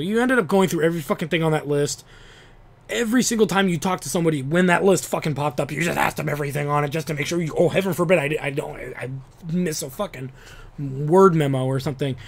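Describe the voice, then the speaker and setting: A man, host of a retro game talk show, rambling in a casual monologue full of swearing and restarts. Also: fairly high pitch. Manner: rambling, profane, restarts often.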